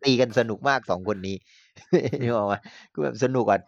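A man hosting a podcast, chatting casually about politics in an animated way, often laughing and using blunt slang. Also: mid-range voice, moderate pace, vocal fry, no room sound, dull audio. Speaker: podcast host.

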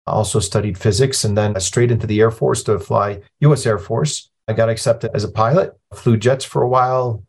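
A low-voiced man in his fifties, originally from Lebanon, speaking as a guest on a podcast. He tells his story in a plainspoken, matter-of-fact way, with the steady directness of a retired officer. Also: a little fast, creaky, hardly any pauses, husky. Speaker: nonprofit president, guest. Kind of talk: conversational storytelling interview.

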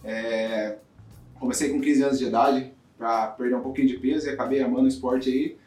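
A man from talks fast and upbeat as an interview guest. He often tags his sentences with little questions. His voice sounds distant and roomy, with music playing faintly underneath. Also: mid-range voice, steady tone, darkish tone. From Brazil. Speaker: guest fighter. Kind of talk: casual interview. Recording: roomy, off-mic with music behind.

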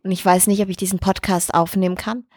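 A woman's voice: mid-range voice, level tone, quick pace, a little mellow, dry recording, clean studio sound. A woman co-hosting a casual chat podcast from a room at home, talking anxiously with frequent panicked exclamations. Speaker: podcast co-host.

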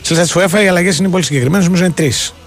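A man co-hosting a sports radio show, arguing his points emphatically and repeating them for weight. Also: high-pitched. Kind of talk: casual radio sports chat. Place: radio studio.

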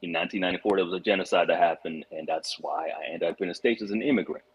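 A man from Rwanda talks through his experiences as a podcast guest, reflective and earnest, often restarting his sentences. His voice sits fairly low and has a breathy, husky edge. The recording is muffled and lo-fi. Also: racing. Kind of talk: casual podcast conversation. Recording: muffled lo-fi audio.

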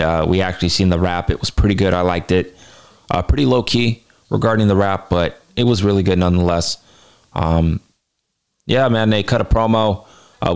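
A man with a low, smooth voice hosts a wrestling review. He gives commentary in a casual, conversational way, walking through the action and adding his own opinions. His delivery is clean and resonant. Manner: conversational match-by-match recapping with personal opinions. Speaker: wrestling show reviewer and host.

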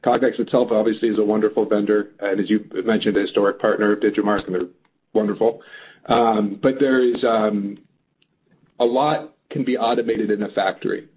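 A man answering as a company executive on an earnings call, halting but upbeat and emphatic. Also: fairly low pitch, fairly even intonation. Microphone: phone or conference call line. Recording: muffled narrow phone line.

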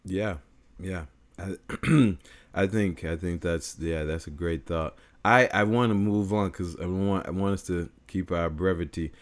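A man's voice: deep voice, measured pace. A man who sings and has a big voice, co-hosting a casual chat with hesitant restarts and easy laughter. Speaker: podcast co-host, singer.

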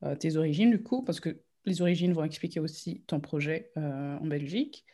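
A woman's voice: sits low, brisk, dark tone. Playful, teasing woman podcast host. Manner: playful, teasing, laughs easily. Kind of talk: casual interview chat.

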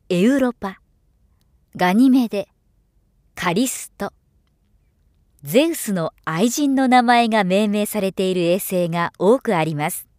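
A woman giving scripted narration as a professional voiceover artist, with a measured, polished delivery. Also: medium pitch, a little mellow, no room sound, clean studio sound.

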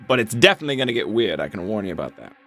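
A man's voice: on the low side, sing-song, racing, pushed and bright. A man chatting casually as a player in a tabletop role-playing game.

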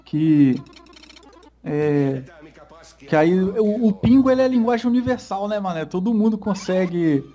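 A man's voice: sits high, expressive, measured pace, warm tone. A young Brazilian man chatting casually as co-host of a podcast, laid-back and slangy, laughing often.

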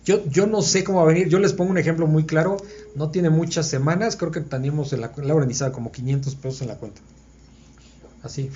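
A man with a slightly high, mellow voice guides a small group through a conversational Bible study. He thinks out loud and keeps making sure everyone is following. The lo-fi recording is dull, with a slight hiss or hum.

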